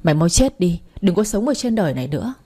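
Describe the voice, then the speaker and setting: A woman voicing an enraged female housekeeper who yells curses. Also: lowish voice, big pitch swings, fast, breathy edge. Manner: yelling curses.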